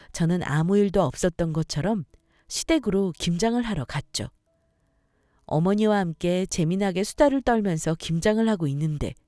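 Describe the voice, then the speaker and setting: A woman narrating a scripted personal story in a calm, composed, firm way. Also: medium pitch, dry recording, clean studio sound. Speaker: narrator and main character.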